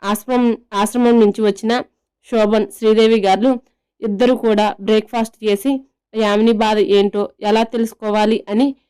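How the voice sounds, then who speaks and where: Smooth, even-toned woman storyteller. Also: mid-range voice, moderate pace. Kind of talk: scripted story narration.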